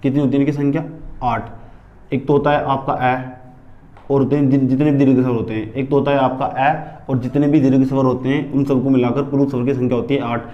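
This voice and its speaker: A man's voice: mid-range voice, flat delivery, fairly quick, dull audio. A man teaching a Hindi grammar class, repeating key terms and asking and answering his own questions as he dictates headings. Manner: tells students to write headings.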